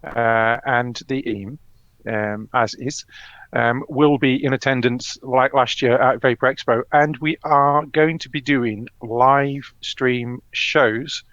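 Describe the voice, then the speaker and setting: A man's voice: mid-range voice, steady tone, takes it slowly, a bit bright, no room sound. A man hosting a live-stream show, chatting casually and rambling with many ums. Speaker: host. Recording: dull lo-fi dry sound.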